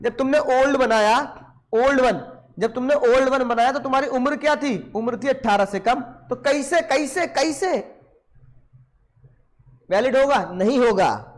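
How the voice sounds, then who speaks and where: A high-voiced male law teacher gives an animated lecture. He keeps firing questions at his class and answering them himself. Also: unhurried. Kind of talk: lively Hindi lecture.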